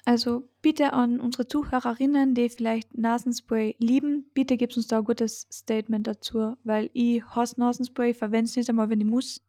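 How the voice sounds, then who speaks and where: A woman's voice: fairly high pitch, flat delivery, normal speed, hardly any pauses, mellow, no echo, clean studio sound. A young woman with an Austrian German accent, co-hosting a casual podcast chat, blunt and swearing casually. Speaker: podcast co-host.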